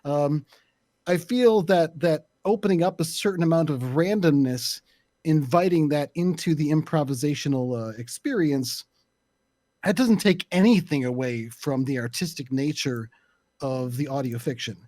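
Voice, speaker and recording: A man explaining his opinions in a casual discussion, deliberate and often searching for the right words. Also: on the high side, mellow, no room sound. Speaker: panelist, actual play creator.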